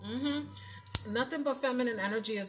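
With music in the background, a woman speaks very fast in an animated tone with lively intonation. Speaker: podcast host and tarot card reader. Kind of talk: spiritual card reading monologue.

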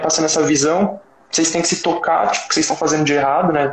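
Through noticeable background noise and audible room echo, a man talks at a very fast pace. His pitch is high. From São Paulo, Brazil (north zone periphery). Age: 20s. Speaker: social sciences student. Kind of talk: casual chat. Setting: Instagram live.

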